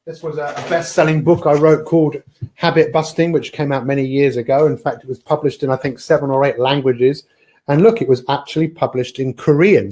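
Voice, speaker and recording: A man's voice: mid-range voice, a little mellow. A man hosting a live motivational broadcast as a life coach, upbeat and chatty with frequent filler words.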